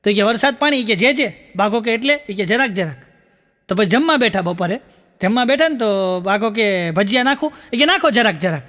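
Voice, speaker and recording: A man's voice: high voice, lively intonation, a little fast, a bit bright, in a large hall. A male comedian telling stage jokes in a punchy way, repeating the catchphrase.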